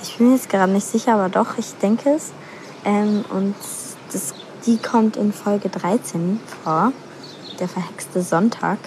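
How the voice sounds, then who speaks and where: A woman's voice: mid-range voice, unhurried, darkish tone, a little hiss or hum. A sixteen-year-old girl, leaving an informal voice message as a quiz listener. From Switzerland. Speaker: listener sending a quiz question.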